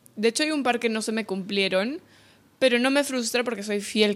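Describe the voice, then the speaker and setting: Heard on a very clean recording with a silent background, a woman speaks with ordinary pitch variation. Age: 20s. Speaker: podcast host. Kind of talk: casual monologue. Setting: home studio with window open. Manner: animated.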